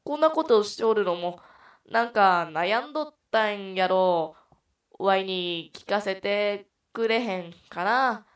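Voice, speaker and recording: A woman with a stuffy nose voicing an earnest young male rookie detective, talking down a hostage taker slowly and loudly in a put-on Kansai accent. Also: mid-range voice, distant mic, lightly acted. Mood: pleading. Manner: loud, slow, pleading.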